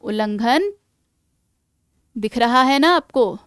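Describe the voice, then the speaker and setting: A woman teaching English vocabulary in Hindi mixed with English, asking the class questions and reading definitions aloud slowly in an Indian English accent. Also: on the high side, expressive, smooth, no echo, studio quality. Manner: asks the class rhetorical questions. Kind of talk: online exam-prep lesson.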